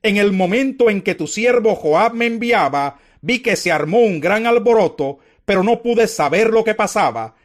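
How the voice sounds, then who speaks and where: A young messenger addressing his king with deference, read by a man with a high voice. The speech is respectful and humble, part of a narrated Bible story. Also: expressive, moderate pace, hardly any pauses. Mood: deferential.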